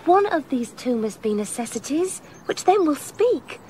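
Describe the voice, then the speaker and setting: An actress playing a modest, witty young shepherdess hosting a feast in a radio play. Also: female voice, high voice, very animated, measured pace, a little mellow, a little hiss or hum. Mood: gracious.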